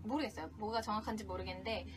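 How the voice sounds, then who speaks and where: A woman's voice: mid-range voice, steady tone, rapid-fire, over music. A woman from South Korea hosting a conversational podcast lesson, teaching English pronunciation in an informal, giggly way.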